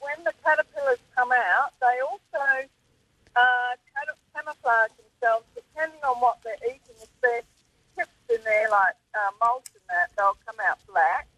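A woman with a chatty, exasperated manner, calling a talkback show over a phone line from her car on speakerphone, halting with ums. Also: high-pitched, expressive, pushed and bright, no room sound. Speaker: talkback caller. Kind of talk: casual chat.

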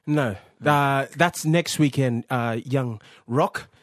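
A man's voice: mid-range voice, slow pace, dry recording. A man co-hosting casual sports radio banter, joking and laughing readily. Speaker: co-host.

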